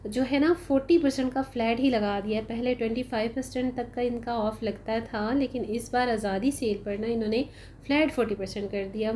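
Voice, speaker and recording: Here a shopping vlogger gives a casual voice-over about her sale haul, her mellow voice pitched fairly high. She chats without rushing, says "uh" a lot, and greets viewers as "janab" and "bhai"; a little hiss or hum is audible.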